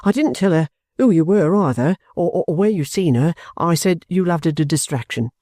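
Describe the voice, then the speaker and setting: Fussy fluttery old clerk guy, stammers, dark mellow tone, dry sound, a man doing the voice. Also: a little high, expressive, brisk, no echo, pitched above the performer's own voice, close to an everyday voice. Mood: flustered exultant. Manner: breathless, stammering, fond. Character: excitable older male clerk, fussy and fluttering.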